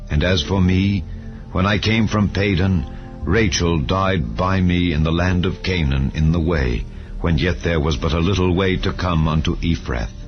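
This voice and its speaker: A man reading scripture as an audiobook narrator in a solemn, measured, deliberate way. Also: low-pitched. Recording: dull lo-fi audio, music underneath. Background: background music.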